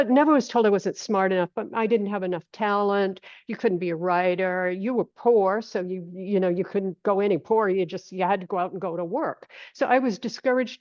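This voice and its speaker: A woman in her seventies, originally from an island in Maine, speaks as a guest in a conversational interview. She sits at a middling pitch and repeats phrases to drive a point home. The sound is dry and a little dull. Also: darkish tone, no echo. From island off the coast of Maine, USA. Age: 70s. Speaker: podcast guest, holistic health teacher.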